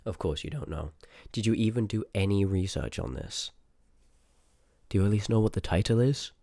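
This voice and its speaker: A man's voice: fairly low pitch, moderate pace, warm tone, no room sound, natural voice. A man voicing a rude, sarcastic, reluctant sorcerer of a haunted house in a scripted ASMR roleplay, grumbling and dismissive, close on the microphone. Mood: grudging, dry.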